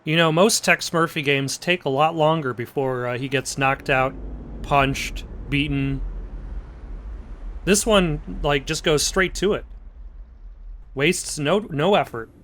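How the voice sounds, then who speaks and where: A man's voice: on the high side, slow, long pauses, a bit bright, slight background noise. A man hosting a let's play, giving casual, conversational commentary on a video game. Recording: music behind the voice.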